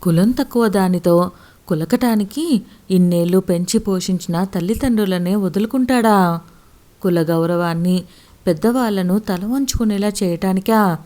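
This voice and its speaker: A woman's voice: medium pitch, unhurried, long pauses, close to an everyday voice. Woman voicing an enraged proud village father. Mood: furious. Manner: shouting, scolding, commanding. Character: stern proud middle-aged village father, furious.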